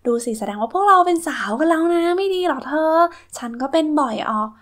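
A woman's voice: high-pitched, expressive, fast talker. A woman voicing an upbeat, reassuring schoolgirl friend in a children's toy story, breezy and chatty.

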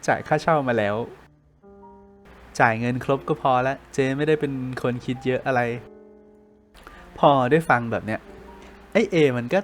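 A man's voice: mid-range voice, normal speed, long pauses, soft background music. A man casually telling a ghost story for a podcast, chatting like a friend with loose slang.

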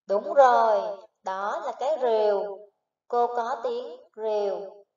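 A woman teacher giving a slow, patient phonics lesson to young children, spelling out sounds one syllable at a time. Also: fairly high pitch, a little mellow. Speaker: primary school teacher. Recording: echoey, distant, dull recording.

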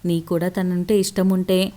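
A woman voicing a caring older brother, a strict police officer, who explains things gently and calmly in an audio story. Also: lowish voice, normal speed, natural voice. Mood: gentle.

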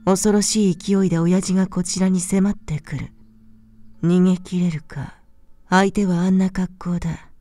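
Female horror narrator, calm and soft, slightly low mellow voice for bedtime ghost stories. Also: dry recording. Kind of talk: scripted narration of a ghost story.

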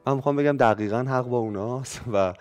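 A man appearing as a guest on a television talk show, talking quickly and eagerly. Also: mid-range voice, a little mellow, muffled recording, faint music behind. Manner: fast, eager talker. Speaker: guest psychologist.

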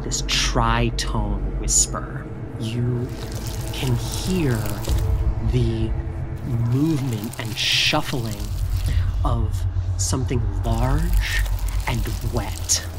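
Slow, suspenseful game master. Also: mid-range voice, heavy background noise. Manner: deliberate, dramatic pauses. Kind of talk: suspenseful narration of a tabletop game.

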